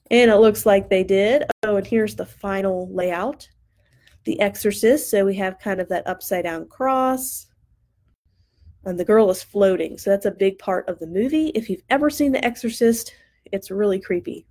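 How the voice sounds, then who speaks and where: A woman's voice: mid-range voice, dark tone. A woman in her thirties talks through student poster designs on a live stream, upbeat and chatty as she thinks aloud. Her voice sounds worn and starts to crack after long use. She speaks into a desk mic in a home studio.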